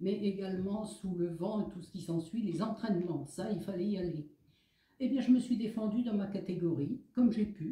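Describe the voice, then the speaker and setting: The voice belongs to a woman with a medium pitch. It sounds somewhat breathy. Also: ordinary pitch variation, moderate pace. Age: 80s+. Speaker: widow, honorary grandmother. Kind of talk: interview answer.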